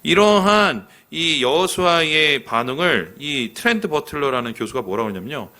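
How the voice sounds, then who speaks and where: A pastor is preaching in a church. His voice is higher than most men's and bright, and his pitch rises and falls widely. He talks like everyday conversation, lively and familiar, and plays out the people he quotes in the voice of each. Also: moderate pace. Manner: colloquial, animated, acts out quoted speakers; leads the congregation in reading aloud. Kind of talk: sermon. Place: church sanctuary.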